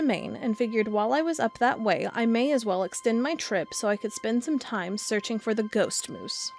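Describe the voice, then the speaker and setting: Actress as earnest female monster-hunting blogger. Measured first-person storytelling, fairly high voice, audio drama. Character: earnest female cryptid blogger, awed amateur monster hunter.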